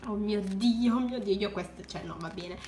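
A young woman who runs a crafts channel, gushing with excitement as she unboxes supplies for viewers. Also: mid-range voice, normal speed, reverberant, soft background music. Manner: gushing, keeps exclaiming in delight.

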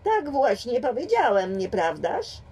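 A crisp, officious con man passing himself off as a detective, put on by a woman reading aloud. His tone is dry and clipped, set a little higher and louder than her narrating voice. The sound is husky, dark and picked up from some distance. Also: wildly swooping pitch, a little slow, full character voice. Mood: curt. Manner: curt, dry, officious, mock-friendly. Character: gruff con man posing as a police inspector. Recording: distant home mic.

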